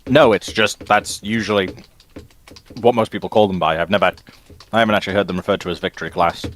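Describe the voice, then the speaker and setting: A man's voice: sits low, steady tone, quick pace, fairly bright tone, slight background noise. A man chatting casually as a guest panelist, giving his opinions. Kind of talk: casual discussion of science fiction ships.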